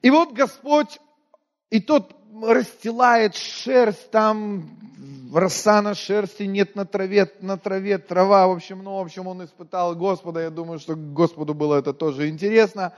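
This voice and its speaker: High-voiced preacher from Moldova in a reverberant hall. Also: male voice, fairly even intonation, normal speed. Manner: conversational, asks the congregation questions, often drops to a quiet voice. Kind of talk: sermon.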